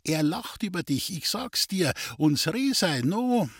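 A man's voice: high-pitched, big pitch swings, measured pace, breathy edge, no echo, clean studio sound, pitched above the performer's own voice, full character voice. A man voicing a sly, scheming male vagabond trickster in an audiobook, coaxing and insistent in dialect. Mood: wheedling. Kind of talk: audiobook character reading.

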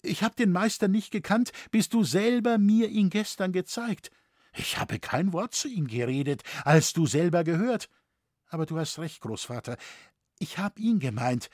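A male reader voicing a young noble girl, earnest, pleading, slightly higher, breathy. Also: animated, moderate pace, a little mellow, no echo, clean studio sound. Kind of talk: audiobook reading.

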